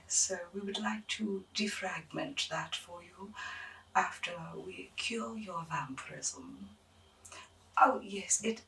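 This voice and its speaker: Woman playing a slow, whispering eccentric lady doctor. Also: medium pitch, pushed and bright, distant mic, slight background noise, exaggerated voice, low-quality recording. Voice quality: breathy whisper. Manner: slow, soothing, theatrically genteel, with endearments. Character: eccentric female doctor, doting and gently menacing, examining a monster patient. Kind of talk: whispered ASMR medical roleplay.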